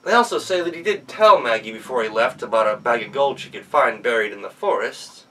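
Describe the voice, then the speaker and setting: A man's voice: medium pitch, expressive, brisk, bright, forceful tone, far from the mic, rough recording. A man narrating a folktale aloud in a theatrical storyteller's manner. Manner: theatrical, with emphatic sound words. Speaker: professional storyteller.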